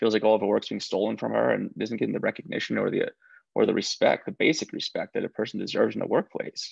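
Against a quiet background, a man talks at a very fast pace in a dry sound with no echo. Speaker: podcast host. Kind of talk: casual chat. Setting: video call. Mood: frustrated, earnest. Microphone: video call.

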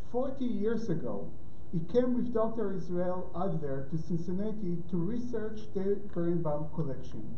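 With audible room echo and light background noise, a man speaks at a fairly slow pace in a high pitch. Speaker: library director. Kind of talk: speaker introduction. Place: hall. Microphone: camera far.

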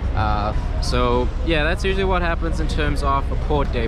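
A man at a moderate pace, dry sound with no echo, music in the background. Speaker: cruise ship fitness instructor. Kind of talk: casual vlog chat. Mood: relaxed, easygoing. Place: street. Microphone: phone near.

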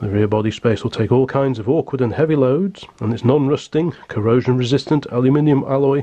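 Against noticeable background noise, a man talks at a fairly quick pace in a northern English accent. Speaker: car enthusiast video creator. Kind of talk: brochure review, with read-aloud brochure copy. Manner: measured, conversational, formal when reading brochure copy.

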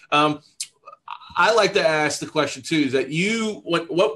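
At a moderate pace, a man with a fairly high pitch uses lively intonation in a plain, everyday voice. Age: 40s. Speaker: podcast host, note investor. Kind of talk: interview.

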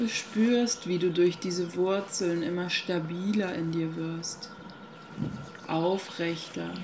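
Over noticeable background noise, a woman speaks at a very slow pace in a fairly low pitch. Her tone is calm and soothing, with fairly even intonation. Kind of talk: guided meditation. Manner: slow, calm, soothing, with long pauses.

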